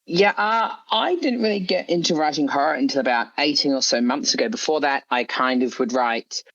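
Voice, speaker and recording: A man's voice: on the high side, brisk, a bit bright. A man being interviewed as a writer, chatting casually and thinking aloud with frequent asides, on a slightly lo-fi recording. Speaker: guest author being interviewed. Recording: dull, lo-fi voice recording.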